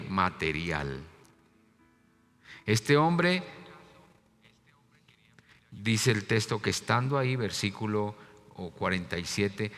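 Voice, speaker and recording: A man preaching a sermon as pastor, emphatic and repeating key words, with his voice moving between loud and soft. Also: lowish voice. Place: church sanctuary. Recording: reverberant church hall with faint music.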